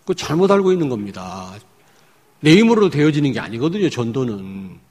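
A male pastor preaching a sermon emphatically, swinging between loud points and hushed asides. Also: medium pitch, big pitch swings, fairly quick. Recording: echoey hall.

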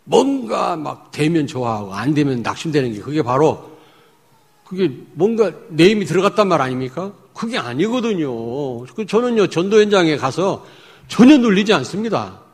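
A male pastor preaching a sermon emphatically, swinging between loud points and hushed asides. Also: on the high side, sing-song, moderate pace, slightly rough. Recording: echoey hall.

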